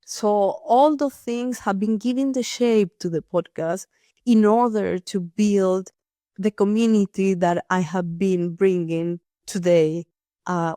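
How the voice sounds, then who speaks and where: A woman's voice: fairly low pitch, dark tone, dry recording, studio quality. Earnest woman host, nonnative phrasing. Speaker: podcast host, here the guest. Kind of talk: reflective personal storytelling.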